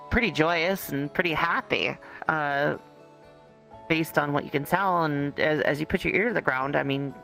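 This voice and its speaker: A game master improvising second-person roleplay narration in a conversational, halting way. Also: mid-range voice, vocal fry, a bit bright, low-quality recording. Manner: conversational, halting storytelling with hedges.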